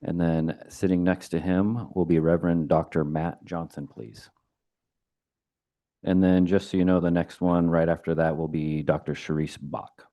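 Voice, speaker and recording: A man chairing a public hearing, briskly calling speakers up and keeping them to time. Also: sits low, flat delivery, mellow. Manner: brisk, procedural. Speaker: meeting chair.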